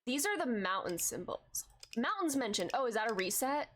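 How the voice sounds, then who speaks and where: A woman's voice: a little high, moderate pace. Congested young woman streamer, chatty. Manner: chatty, many filler likes, excited outbursts at finds. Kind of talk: casual gameplay chat with viewers.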